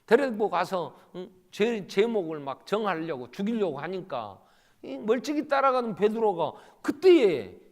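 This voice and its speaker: Animated Korean pastor preaching in a hall. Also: male voice, sits high, unhurried. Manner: acts out quoted dialogue in shifting voices; animated, swings between loud and hushed. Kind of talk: sermon. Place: church sanctuary. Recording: long church reverb.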